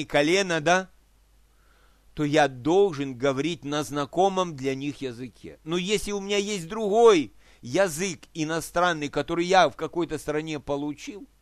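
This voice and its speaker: A man delivers a teaching sermon in a fairly high voice. He works through scripture with examples and rhetorical questions, often asking his listeners whether they follow. The recording is dry and close. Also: no echo. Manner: asks listeners for agreement. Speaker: preacher.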